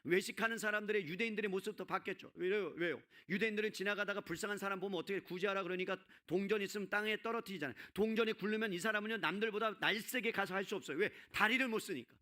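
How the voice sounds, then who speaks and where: A man's voice: high voice, very fast, few pauses, sharp tone. A male pastor delivering a Sunday sermon, often calling out to the congregation and voicing a character's inner thoughts. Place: church sanctuary.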